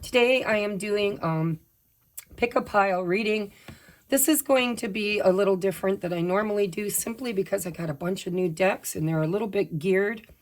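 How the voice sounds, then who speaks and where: A woman, slightly hoarse while her voice recovers, chatting casually and apologetically through a pick-a-pile tarot reading. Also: mid-range voice, moderate pace. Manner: chatty, apologetic, tells personal updates while shuffling. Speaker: tarot reader.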